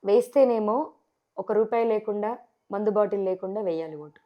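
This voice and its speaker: A woman with a Telangana Telugu accent, a sarpanch candidate answering in a TV interview, forceful and full of rhetorical questions. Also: medium pitch, normal speed, lo-fi sound.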